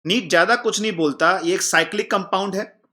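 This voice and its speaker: Lively, bright-voiced male teacher. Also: high voice, brisk. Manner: explains by repeating, asking the class and answering himself; calls the students "children" warmly. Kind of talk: online exam-prep chemistry lecture.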